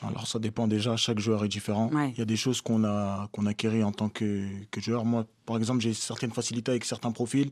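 Against a quiet background, a man rattles along at a very fast pace, his medium-pitched voice monotone and flat. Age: 30s. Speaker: fitness coach, former pro footballer. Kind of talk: studio panel discussion. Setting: studio. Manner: halting.

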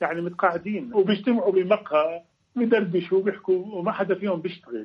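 This man's voice is high in pitch. It rises and falls with ordinary variation. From Jordan, Amman. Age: 70s. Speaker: publisher. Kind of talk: interview.

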